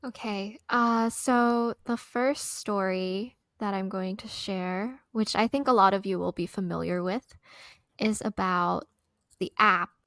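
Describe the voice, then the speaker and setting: A young woman from the United States, a podcast co-host telling a folk ghost story in a relaxed, chatty way. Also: mid-range voice, slow, dry recording. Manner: relaxed, chatty with light laughs. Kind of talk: casual storytelling.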